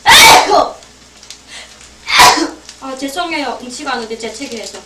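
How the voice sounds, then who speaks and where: A woman's voice: high voice, lively intonation, unhurried, echoey room, far from the mic, heavy background noise. A woman vlogger talking playfully to her viewers while she cooks, chatting to herself as she goes. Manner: playful, talks to herself while cooking, giggly. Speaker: cooking vlogger. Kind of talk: chatty cooking demonstration. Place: kitchen. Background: frying and sizzling food.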